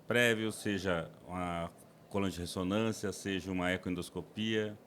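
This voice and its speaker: Low-pitched man, faint room ambience, podcast guest, from São Paulo state, restarts and fillers. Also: steady tone, moderate pace, fairly bright tone, a little hiss or hum. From interior of São Paulo state, Brazil. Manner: explains plainly with frequent restarts and fillers. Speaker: endoscopist guest. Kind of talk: podcast interview.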